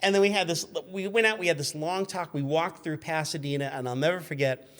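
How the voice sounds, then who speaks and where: A man in his fifties telling casual anecdotes as a guest, in an animated, rambling way, acting out what people said. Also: fairly high pitch, brisk. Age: 50s. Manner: animated, rambling, acts out remembered quotes.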